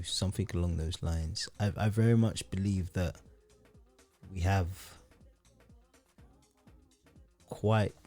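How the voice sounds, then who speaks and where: Joking, animated man, lowish voice. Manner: joking, animated, swears freely. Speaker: podcast guest, musician and sound engineer. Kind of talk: casual podcast conversation.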